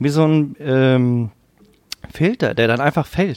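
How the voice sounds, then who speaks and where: The man's fairly high voice unfolds at a very slow pace. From Germany, Syrian-Aramaic family. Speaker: podcast guest. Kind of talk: casual chat.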